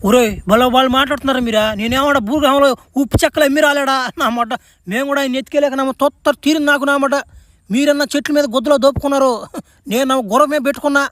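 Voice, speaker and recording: A man's voice: very high-pitched, fairly even intonation, racing, fairly bright tone, no echo. A man voicing a cocky, crude young male superhero stranded on a strange planet in a comedy cartoon, swearing and laughing as he talks, with a rural Andhra Telugu accent. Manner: foul-mouthed, boisterous, laughs between lines.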